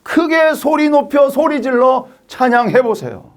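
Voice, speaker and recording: A man preaching a sermon to teenagers, telling the story in an animated way and acting out its scenes. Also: very high voice, a little slow. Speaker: youth pastor. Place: church.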